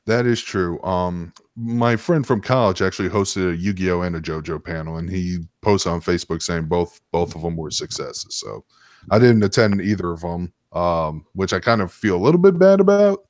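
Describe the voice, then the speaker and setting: A man's voice: sits low, lively intonation, normal speed, darkish tone, dry recording, studio quality. A man hosting a casual stream, telling stories in a rambling, sometimes profane way. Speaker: stream host. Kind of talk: casual storytelling chat.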